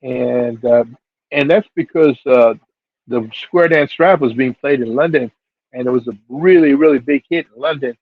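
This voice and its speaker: In a casual storytelling interview, a hip-hop DJ and label figure from Seattle, middle-aged, relates his story at a moderate pace in a mid-range voice. The sound is dry, close, and echo-free over a thin, phone-like line, and his laid-back delivery is loaded with filler words, rising sharply for quoted reactions.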